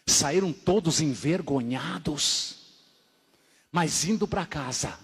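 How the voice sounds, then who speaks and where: A man giving a dramatic religious testimony at a church service, telling his story emphatically and moving between loud exclamations and hushed narration. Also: on the high side, lively intonation, slow, breathy edge. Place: church hall. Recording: echoey hall reverb.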